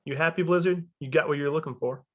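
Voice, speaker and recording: A man's voice: on the high side, fairly even intonation, fast, natural voice. Guy acting as sour surly miner, accusing, drama read, kinda lo-fi. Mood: surly, irritated. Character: hostile, grudging, sour male small-town miner. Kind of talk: screenplay table read.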